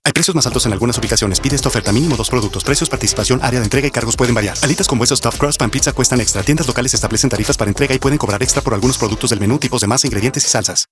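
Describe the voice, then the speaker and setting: A man reading a radio ad in a brisk, playful way. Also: mid-range voice, over music. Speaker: ad announcer. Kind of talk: radio ad read.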